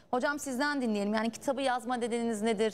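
A woman with a fairly high pitch and fairly even intonation has an unremarkable speaking voice. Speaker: TV presenter. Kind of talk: TV interview. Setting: studio. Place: studio.

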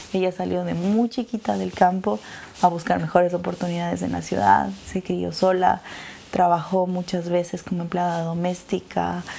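A woman speaks at a fairly slow pace with fairly low pitch and fairly even intonation, with light background noise behind her. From Ecuador, Riobamba; Ecuador. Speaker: singer and influencer; influencer. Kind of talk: interview. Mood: warm, smiling, reflective. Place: studio. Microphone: lapel.

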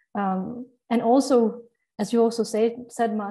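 A woman's somewhat breathy, dark and mellow voice, fairly high in pitch and monotone, flat in intonation, against a quiet background. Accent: Danish. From Denmark. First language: Danish. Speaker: sustainable construction development manager; presenter. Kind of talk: webinar presentation. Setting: video call. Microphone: video call.

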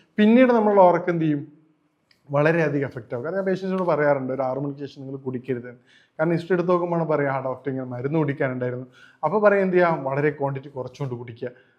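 This man has a normal speaking voice with a fairly high pitch and ordinary pitch variation. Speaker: doctor. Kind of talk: health explainer talk. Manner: informal, repetitive.

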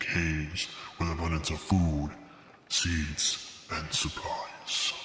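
In a put-on character voice, a man speaks with very deep, low pitch and a clear echo. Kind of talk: formal, archaic-tinged speech. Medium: audio drama. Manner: polite, calm, solemn.

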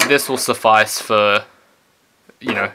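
A man talks fast-ish, at a fairly quick pace, with an Australian accent and a fairly low pitch. His intonation stays fairly even over noticeable background noise. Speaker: YouTuber, 3D printing hobbyist. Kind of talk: casual unscripted monologue. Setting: home, late at night. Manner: hesitant, many fillers. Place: home room.

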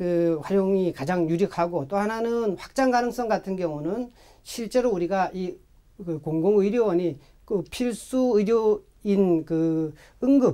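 Against a quiet background, a man speaks at a very slow pace with a high pitch, a dark, mellow tone, and ordinary pitch variation. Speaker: guest. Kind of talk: interview answer. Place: studio. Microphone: lapel.

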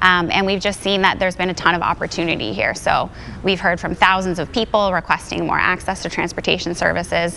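Very fast and with fairly even intonation, a woman speaks over light background noise. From Pittsburgh, Pennsylvania. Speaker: company regional manager. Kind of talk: TV interview. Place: studio. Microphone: lapel.

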